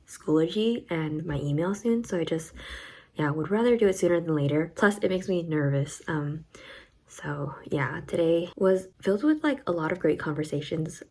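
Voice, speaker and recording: In a casual, emotional vlog, a young woman who teaches high school history speaks in a raspy, low-sitting voice. Her manner is soft and reflective, full of fillers.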